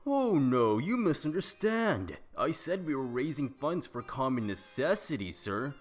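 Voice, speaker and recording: A man's voice: medium pitch, very animated, measured pace, faint music behind. A man acting as a polite, earnest charity collector in a fan audio drama, formal in manner.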